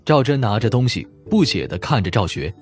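A man narrates an audiobook in a mid-pitched voice with animated, lively phrasing. His delivery is scripted storytelling, with faint music underneath. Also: a little fast. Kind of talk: scripted narration of a mystery novel.

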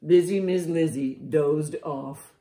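A middle-aged woman hosting storytime, reading to children in an expressive, deliberate way from a living room. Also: low-pitched, slight background noise. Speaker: library storytime host. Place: living room, indoors by a fireplace. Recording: roomy living-room echo.

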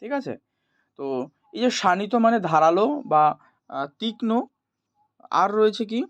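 A man's voice: high voice, expressive, measured pace, no echo, muffled recording. A man explaining a poem to students as a teacher, often posing questions and answering them himself. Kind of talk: explanatory poetry lesson for students.

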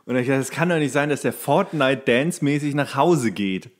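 A man's voice: mid-range voice, lively intonation, fairly quick. A man chatting casually as a co-host on a podcast.

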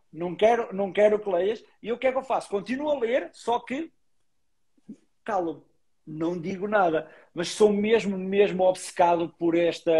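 A man's voice: high-pitched, darkish tone. A middle-aged man with a European Portuguese accent, a body language expert explaining emphatically in a casual interview. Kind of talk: casual interview over a live video call.

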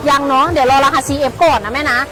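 A woman live-stream seller giving fast, hyped, repetitive sales patter, chummily calling out to her customers. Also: over a noisy crowd. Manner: repetitive, insistent pitching with chummy address to customers. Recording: music playing behind the voice. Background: clear background music.

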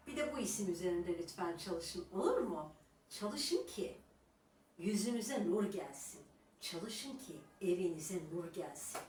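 Addressing her critics in a scolding monologue, a woman vlogger lectures viewers scornfully, peppering it with rhetorical "Ha?". Her voice is mid-range with a darkish tone. The mic sits somewhat distant in an echoey room, with faint hiss.

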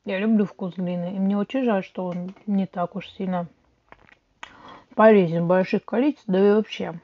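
A woman's voice: medium pitch, fairly even intonation, normal speed, lo-fi sound. A woman hosting a livestream, talking casually to her viewers while chewing clay. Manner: chatty, addresses viewers directly. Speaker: livestream host.

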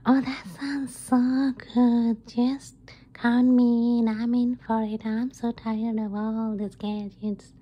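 Husky, eager woman playing a retreat customer. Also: on the high side, level tone, takes it slowly, warm tone, voice pushed up, low-quality recording. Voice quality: husky, breathy. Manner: gushing, agreeable. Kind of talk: ASMR role play.

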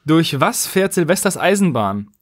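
Man hosting a casual quiz, higher-pitched, dry sound. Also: very animated, normal speed, dry recording. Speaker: podcast host and quizmaster.

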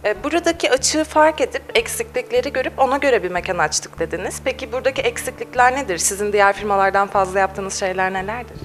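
A woman's voice: medium pitch, slight background noise. A young woman working as a TV reporter, delivering polished scripted questions into a handheld mic in a small cafe. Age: young adult. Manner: fast, polished presenter delivery. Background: faint music.

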